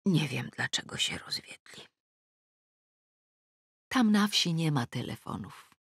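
A middle-aged woman narrates a first-person novel as an audiobook, slow and deliberate, with a wry, ironic edge. Her voice is close and dry, recorded in a studio with no room sound. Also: sits low, breathy edge, no room sound. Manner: lively, ironic storytelling, rising to exasperation. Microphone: close studio mic.

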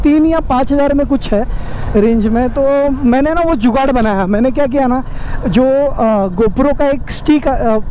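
The high-voiced man you would hear in a bike-trip vlog, chattering from inside a helmet over the roar of the highway. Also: low-quality recording. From western India. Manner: informal, exclamatory, mixes in English words. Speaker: motorcycle travel vlogger. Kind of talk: casual chat to viewers while riding. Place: outdoors on a moving motorcycle. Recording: loud wind and road noise.

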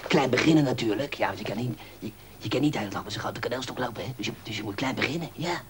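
A man's voice: medium pitch, expressive, rapid-fire, very noisy, natural voice. An actor in a TV comedy sketch playing a pushy, leering male fan who keeps nudging with innuendo and slips into sly whispers. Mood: insinuating.

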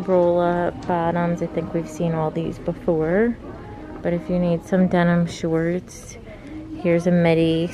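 A young woman who vlogs about fashion gives casual narration as she films herself shopping for clothes, peppering her talk with "like." Her voice is lowish. The recording comes from a handheld phone camera, with background music layered over her speech.

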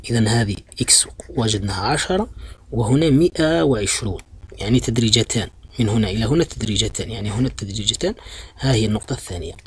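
A male math teacher with a low voice explains a problem slowly and patiently. He repeats each step, pauses on fillers and corrects himself. A faint hiss of noise sits behind his voice. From Algeria. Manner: patient, repetitive, addresses students as "my children"; many fillers and self-corrections. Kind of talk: blackboard-style math lesson.

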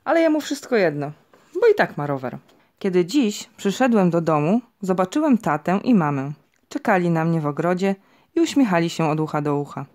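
A woman narrating a children's storybook audiobook in a lively, expressive way. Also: lowish voice, a little fast. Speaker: audiobook reader.

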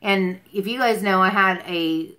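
Bright-voiced woman in her forties, chatting. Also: medium pitch, measured pace, low-quality recording. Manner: rambling, jumps between topics. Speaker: beauty livestream host. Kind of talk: casual livestream chat answering viewer questions. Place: small furnished room at home, indoors.

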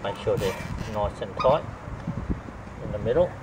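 A middle-aged man talks through a hands-on demonstration one step at a time, his voice sitting fairly low. He is recorded outdoors by a camera mic a few feet off, with clear street and outdoor noise around him. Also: expressive, unhurried, distant mic. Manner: plain step-by-step explaining while working with his hands. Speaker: fishing tutorial host. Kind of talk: how-to demonstration. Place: outdoor driveway beside a boat trailer. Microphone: camera mic a few feet away.

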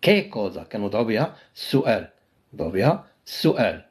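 Slow, repetitive teacher with a Moroccan accent. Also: male voice, on the low side, sing-song. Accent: Moroccan Arabic. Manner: repeats each word many times, drills phrases very slowly. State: unwell, coughing. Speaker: Italian language teacher. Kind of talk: live online language lesson.

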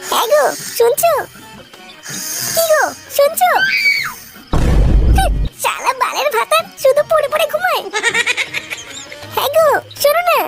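A doting but nagging cartoon housewife calls and grumbles in a very high, swooping voice. She is easily exasperated, and music plays loudly behind her. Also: expressive, unhurried, creaky, long pauses, exaggerated voice. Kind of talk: comic cartoon dubbing.

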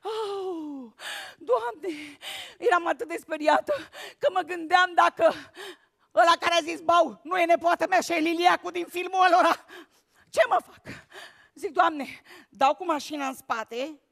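A comic actress doing a lively stand-up monologue on a gala stage, telling a story with sudden shouted bits. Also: female voice, very high voice, vocal fry.

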